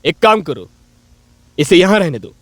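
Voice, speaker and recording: A man's voice: high voice, very animated, normal speed, fairly bright tone, no echo, exaggerated voice. A man voicing a bossy police inspector in a dubbed film, scolding and giving orders. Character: stern male police inspector, gruff. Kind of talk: Hindi film dubbing. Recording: dry studio dub with light music.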